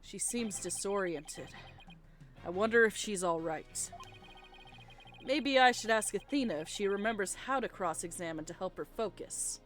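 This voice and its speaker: A woman voicing a calm, kindly male defense lawyer mentoring his junior in a video game. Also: mid-range voice, moderate pace, soft background music, close to an everyday voice. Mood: gentle, concerned.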